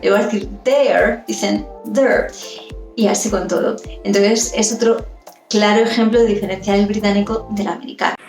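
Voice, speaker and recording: A woman's voice: mid-range voice, fairly even intonation, fast, darkish tone, echoey room, faint music behind. A woman teaching English pronunciation, explaining and demonstrating sounds and often checking in with the listener. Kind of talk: explanatory lesson.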